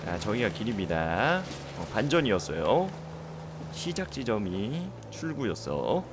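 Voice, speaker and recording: A man's voice: fairly low pitch, big pitch swings, rapid-fire, background noise. A man casually commenting on his gameplay at home, muttering and reacting as he plays. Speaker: game streamer. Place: indoors at home.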